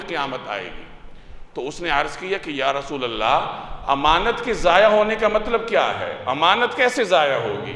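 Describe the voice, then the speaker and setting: A high-pitched man swings his pitch very widely as noticeable background noise plays underneath. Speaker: Islamic preacher / scholar. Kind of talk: religious sermon (bayan) retelling a hadith.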